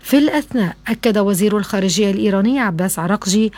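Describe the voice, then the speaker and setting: A woman's voice: mid-range voice, racing, darkish tone, dry recording. A woman newsreader delivering a scripted news bulletin.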